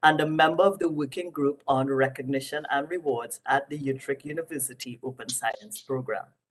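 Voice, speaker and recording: In a strong Caribbean accent, a woman talks at a moderate pace. Her voice is very deep and low. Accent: heavy Caribbean. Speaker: associate librarian, webinar host. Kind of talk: webinar introduction, reading bios. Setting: online webinar.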